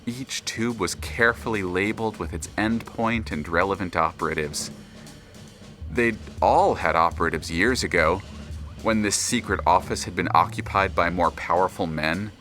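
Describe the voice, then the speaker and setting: A man playing the storyteller of an audio drama, narrating in a deliberate, dry, literary manner. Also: deep voice, a bit bright. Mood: measured. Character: measured, dry omniscient male storyteller. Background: music.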